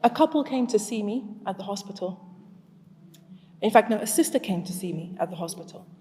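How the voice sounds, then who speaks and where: A woman in her forties gives a talk in a large hall, and her voice trails off into a long echo. She speaks at a middle pitch, draws the crowd in with hand-raising questions, and then shifts into telling her own story. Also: lively intonation, brisk, mellow, slight background noise. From Zimbabwe. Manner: engages the crowd with show-of-hands questions, then tells a personal story. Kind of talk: storytelling talk to a live audience.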